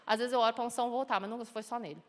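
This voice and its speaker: Brazilian woman preaching, fairly high voice, acts out the story, echoey church. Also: very fast. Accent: Brazilian Portuguese. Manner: animated storyteller acting out voices. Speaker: preacher and children's Bible teacher. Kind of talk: sermon storytelling. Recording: church hall with long reverb.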